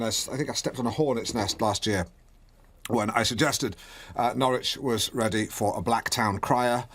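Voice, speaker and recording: A man's voice: medium pitch, a bit bright. An actor playing a self-important, middle-aged male local radio host who rambles awkwardly on air. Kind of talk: local radio show hosting.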